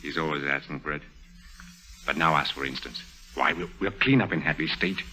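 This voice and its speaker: An actor playing a greedy, brash racketeer boss in an old radio drama, blustering and boastful. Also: male voice, very deep voice, brisk, pushed and bright. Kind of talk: 1950s radio drama acting.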